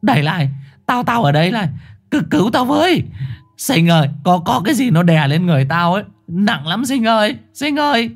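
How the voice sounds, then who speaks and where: A man's voice: big pitch swings, moderate pace, long pauses, a little mellow, husky. A man voicing a panicked young man trapped in a dog's body, stammering and pleading. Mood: desperate. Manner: stammering, pleading, shrill cries. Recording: faint music behind.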